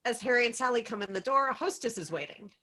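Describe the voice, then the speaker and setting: A woman's voice: fairly high pitch, animated, fast, sharp tone. A woman narrating stage directions in an informal script table read.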